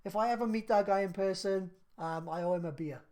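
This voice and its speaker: A man in his thirties on a live stream, reading out viewer questions and answering them in a relaxed, chatty way with lots of fillers. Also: high-pitched, fairly quick. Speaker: craft business live streamer.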